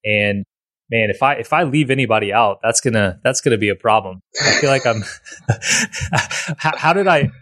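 A man's voice: medium pitch, lively intonation, normal speed, fairly bright tone, no echo. Rambling male podcast host, dry sound. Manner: rambling, frequent restarts and repeated words. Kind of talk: casual podcast conversation.

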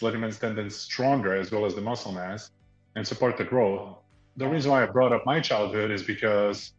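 Low-voiced man, roomy sound. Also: highs cut off. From Slovakia. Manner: measured, explanatory, often slows to stress key points. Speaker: guest, fitness product founder. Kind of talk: explanatory interview answers.

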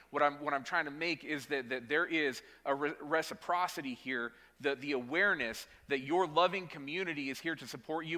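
A male pastor preaching a sermon in a church. He speaks emphatically, repeats words as he goes, and drops to quiet, weighty lines. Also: a little high, in a large hall. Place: church sanctuary.

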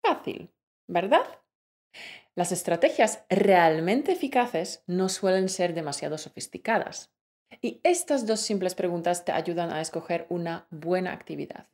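Woman podcast co-host, measured and clear, explaining study tips. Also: fairly low pitch, lively intonation, a little mellow. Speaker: co-host of a Spanish-learning podcast. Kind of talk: scripted podcast teaching.

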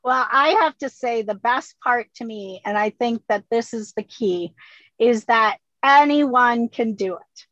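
A high-voiced woman in her sixties who chats away and laughs often. She speaks from inside her car, with a dry, dull, lo-fi sound. Her voice sits well above most women's. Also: measured pace, a bit bright, no echo. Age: 60s. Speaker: guest. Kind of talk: casual video-call chat.

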